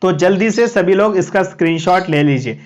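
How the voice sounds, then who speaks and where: A man's voice: sits high, moderate pace, highs cut off. A man coaching students in a live online class, chatty and repetitive, listing points one by one. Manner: chatty, repetitive, keeps saying "okay"; lists items one by one like reading notes. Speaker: online tutor for cadet exams. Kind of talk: live-stream exam coaching and course pitch.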